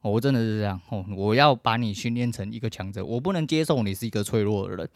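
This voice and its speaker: A man's voice: on the low side, fast talker, no echo, studio quality. A middle-aged man with a Taiwanese Mandarin accent, hosting a podcast in a blunt, profane, emphatic casual rant. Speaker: podcast host.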